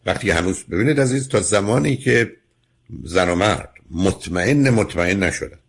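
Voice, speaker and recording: Deep husky man giving firm advice. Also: animated. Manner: firm, lecturing, interrupts with questions. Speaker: radio call-in advice host. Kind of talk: call-in advice counseling.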